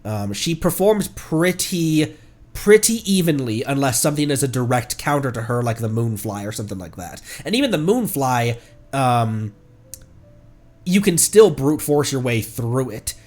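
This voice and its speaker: A man with a stuffed-up nose giving casual, rambling commentary as a livestreamer, often halting and correcting himself. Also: mid-range voice, big pitch swings, darkish tone. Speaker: livestreamer, VTuber. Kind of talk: casual game stream commentary.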